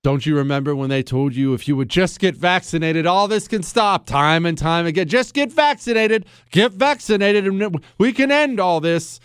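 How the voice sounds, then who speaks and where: A man hosting a talk show with a fairly high, swooping voice that leaps up and down. He talks in a mocking, self-admiring way, and his voice sounds dry and close to the mic. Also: expressive, normal speed, hardly any pauses, a bit bright, clean tone, no echo. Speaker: political talk show host. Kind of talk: sarcastic monologue.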